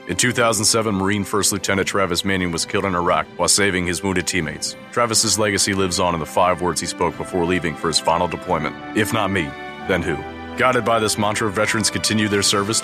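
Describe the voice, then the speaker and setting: A solemn man with a very deep voice delivers a charity ad at a brisk pace. Music plays clearly behind him. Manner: solemn, resolute. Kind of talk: charity radio ad read. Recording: ad read over loud music.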